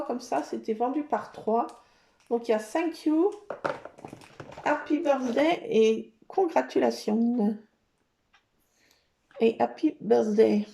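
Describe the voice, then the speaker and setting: A middle-aged woman chatting casually as she shows her scrapbooking work and supplies, rambling and pausing often. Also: high-pitched, vocal fry, mellow, a little hiss or hum. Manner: chatty, rambling, full of hesitations. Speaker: scrapbooking vlogger. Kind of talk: casual show-and-tell chat.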